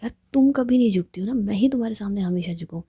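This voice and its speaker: A stubborn, apologetic young woman, put on by a woman storyteller, pleads in a soft, breathy half-whisper. Her voice is very dark and husky, and the recording is dry, with no room sound. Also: medium pitch, quick pace, dry recording. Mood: pleading.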